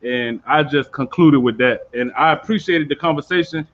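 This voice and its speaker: A man's voice: a little high, moderate pace, a bit bright. Earnest man with a raised voice. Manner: earnest, informal. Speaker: panel guest. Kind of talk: casual closing remarks. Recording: lo-fi call audio.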